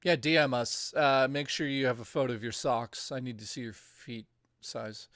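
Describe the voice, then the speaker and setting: Man, livestream co-host, bright tone, hoarse from talking, crude and joking, dry close mic. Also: medium pitch, moderate pace, no echo. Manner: crude, joking, reads messages aloud. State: losing his voice. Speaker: co-host reading viewer donations. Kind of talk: casual livestream chat.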